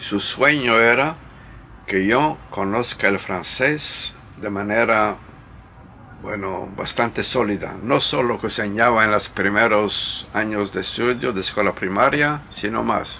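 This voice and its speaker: A man with a French accent at a medium pitch, ordinary pitch variation, a very slow pace, and noticeable background noise. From Izmir, Turkey. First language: French (speaking Spanish). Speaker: Ladino speaker interviewee. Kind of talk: interview.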